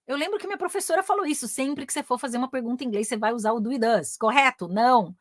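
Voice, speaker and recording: A woman whose first language is Portuguese, teaching an English grammar lesson online in a lively, chatty way, often checking in with "ok?" and slowing down to spell out English example sentences. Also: fairly high pitch, no room sound, clean studio sound. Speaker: English teacher and career mentor.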